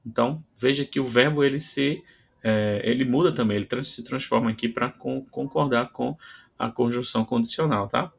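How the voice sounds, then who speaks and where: A man's voice: medium pitch, moderate pace, creaky, lo-fi sound. A man with a Brazilian Portuguese accent teaching a grammar lesson, explaining patiently and checking in with frequent "tá?" between examples.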